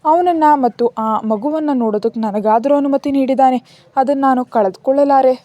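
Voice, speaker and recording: Kind elderly grandfather, read by a woman, gentle and fond, fairly high mellow voice. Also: moderate pace, no echo, close to an everyday voice.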